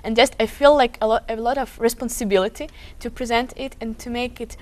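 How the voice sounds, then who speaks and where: Quick, bright-voiced young woman. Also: on the high side, steady tone. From Ukraine. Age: young adult. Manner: eager, earnest explanations, says "actually" often. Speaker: student guest.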